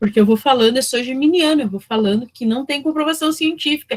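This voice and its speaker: Lively intonation marks this woman's high-pitched voice. She talks at a fairly quick pace. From interior of Paraná, Brazil. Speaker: teacher. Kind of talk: lecture.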